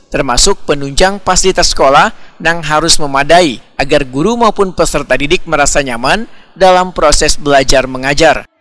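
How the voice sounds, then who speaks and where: Higher-voiced Banjar male news narrator, dry sound. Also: a bit bright, no room sound. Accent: Banjar, South Kalimantan.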